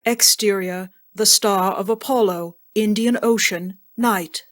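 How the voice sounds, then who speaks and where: Medium-pitched woman narrator. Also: slow pace. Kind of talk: scripted audio drama narration.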